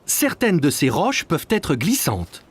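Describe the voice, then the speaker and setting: A man's voice: on the high side, wildly swooping pitch, unhurried, slightly rough, full character voice. A man voicing a patient, encouraging father in a cartoon, reassuring and kind. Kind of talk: cartoon dubbing.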